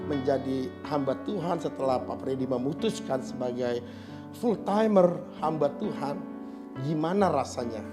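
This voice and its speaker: A woman's voice: a bass voice, normal speed, over music. A woman hosting a Christian talk show, encouraging her guest and laughing often.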